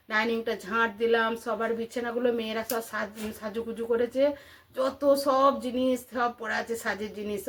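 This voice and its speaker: This home vlog features a middle-aged housewife with an Indian Bengali accent, casually chatting, repeating herself and asking listeners frequent rhetorical questions. Her voice is a little high and fairly bright.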